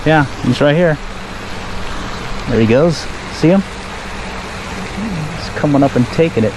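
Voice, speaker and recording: A man's voice: on the high side, takes it slowly. Man narrating his fishing outdoors. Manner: relaxed, chatty, pleased exclamations at each catch. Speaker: fishing vlogger. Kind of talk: casual running commentary while fishing. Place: outdoors at a park pond. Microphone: head-mounted action camera. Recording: outdoor action-camera audio with background noise.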